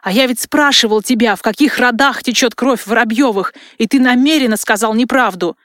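A woman's voice: fairly high pitch, a little fast, a bit bright, dry recording, natural voice. A woman voicing a furious young male fire mage and marquis, harsh and accusing in a dry, close recording. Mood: stern. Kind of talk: audiobook character reading.

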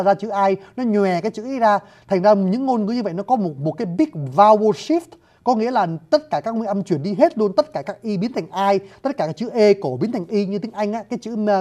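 In a medium-pitched voice with a dark tone, this lecture on scripts and languages runs long. The speaker frequently addresses the audience directly.

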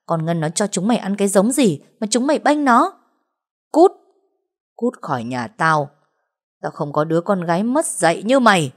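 A woman's voice: big pitch swings, normal speed, long pauses. A woman voicing a furious pregnant young woman who screams hateful accusations. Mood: hysterical. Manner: shrill screaming rant.

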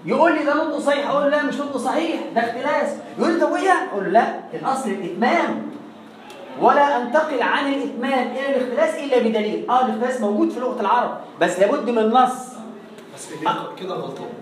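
Egyptian teacher in a very echoey room. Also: high voice. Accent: Egyptian Arabic. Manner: recites example words slowly and repeats them to demonstrate. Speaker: Quran recitation teacher. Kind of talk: classroom lesson with recited examples. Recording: echoey room, voice far from the mic.

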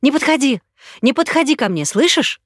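Woman voicing a frightened young woman, shrill, loud, sobbing, hostile, dry close sound. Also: big pitch swings, moderate pace, dry recording. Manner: shrill, sobbing, screaming accusations.

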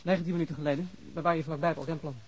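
A man's voice: a little high, fairly even intonation, racing, breathy edge, poor audio. An actor in a radio drama playing a nervous, apologetic young rookie policeman, hesitant and deferential. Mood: shaken, apologetic. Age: young adult. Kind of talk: naturalistic radio drama acting.

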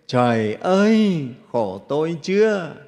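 A monk putting on a wailing panicked treasurer. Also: male voice, a little high, very animated, normal speed, creaky, warm tone, voice pushed up. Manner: wailing, anguished cries. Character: panicked wealthy treasurer, man, wailing in despair. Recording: long hall reverb.

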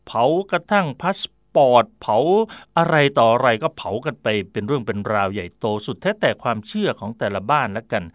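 A man hosting a radio talk slot, chatting in a digressive way about where words come from, with fillers and quick self-corrections. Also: medium pitch, big pitch swings, no echo, clean studio sound. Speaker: radio host. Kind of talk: explaining word origins in casual talk.

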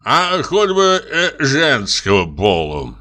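A man's voice: mid-range voice, very animated, measured pace, sharp tone, heavily acted. A man voicing a boastful, pushy, middle-aged army lieutenant who is drinking, exclamatory and wheedling. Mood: boasting. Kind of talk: audiobook character reading.

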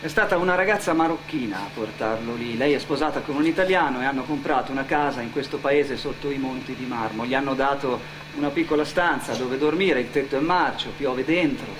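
A man's voice: mid-range voice, a little fast, few pauses, background noise. A man working as an actor-narrator, telling a story in dramatic theatre style. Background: music under the voice.

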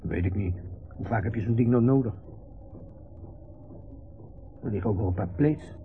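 An actor playing an irritable, overstrained middle-aged factory owner in a radio play, curt, dismissive and sometimes hesitant. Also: male voice, on the low side, quick pace, lightly acted. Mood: dismissive, wry. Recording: dull, hissy old radio play recording.

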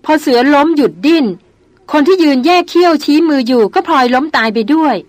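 Woman doing a scared young lady, high voice, shaky and pleading, dry recording. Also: unhurried, dry recording, natural voice. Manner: frightened, pleading, insistent. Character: terrified young woman doctor seeing ghosts.

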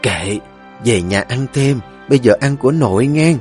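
A man voicing a tender, soft-hearted elderly grandmother, gently scolding. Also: mid-range voice, expressive, moderate pace, faint music behind, lightly acted.

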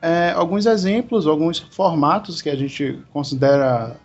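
A man's voice: on the high side, measured pace. A Brazilian man co-hosting a casual podcast, chatty and laughing easily. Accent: Brazilian Portuguese. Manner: chatty, laughs often, uses casual fillers. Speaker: podcast co-host. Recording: muffled podcast audio with faint music.

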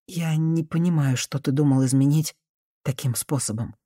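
Мягкий, негромкий женский голос в исполнении чтицы уговаривает терпеливо и примирительно. Тон низкий и приглушённый, речь осторожная, без нажима. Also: female voice, deep voice, normal speed, dry recording, clean studio sound. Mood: remorseful. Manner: soft, conciliatory, hushed. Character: cautious gentle woman, soothing and patient.

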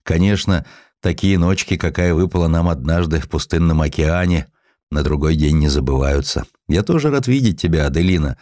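Man playing a gruff, low-voiced old sailor. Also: lively intonation, a little fast, a little mellow, no room sound, clean studio sound. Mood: tender, proud. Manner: blunt, salty, plain-spoken. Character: poor ailing ex-sailor postman, gruff, proud, kind-hearted.

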